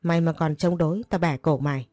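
A woman's voice: low-pitched, steady tone, fairly quick, mellow, no room sound, clean studio sound, lightly acted. A woman reading a story voices a drunk, brutal young husband who snarls threats. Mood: bullying. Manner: snarling, bullying.

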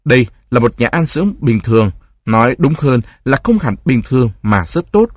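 A man's voice: medium pitch, sing-song, moderate pace, no echo, studio quality. A man reading a level-headed schoolboy. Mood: earnest. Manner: earnest, reasoning.

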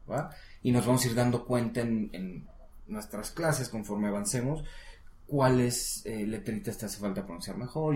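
Mexican man, mid-pitched voice, encouraging tutor, echoey room. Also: darkish tone. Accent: Mexican Spanish. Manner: patient, encouraging, checks in with "¿va?". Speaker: English teacher. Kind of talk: casual one-on-one lesson. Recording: roomy echo.

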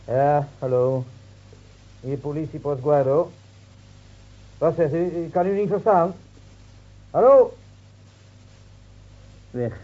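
A man's voice: fairly high pitch, slow, long pauses. An actor playing a scornful, officious city-bred policeman in a Dutch radio drama, lecturing and brusque. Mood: official, exasperated. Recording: muffled old radio recording.

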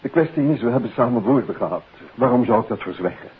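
A man's voice: mid-range voice, lively intonation, quick pace, breathy edge. An actor playing an uneasy, formal male suspect in a 1950s Dutch radio play, hesitant and defensive. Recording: tinny, hissy old radio recording.

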